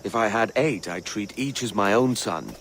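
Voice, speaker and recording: An actor playing a guarded young sailor posing as a turncoat, terse and hesitant, in a video game. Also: male voice, on the low side, normal speed, fairly bright tone, a little hiss or hum, rough recording.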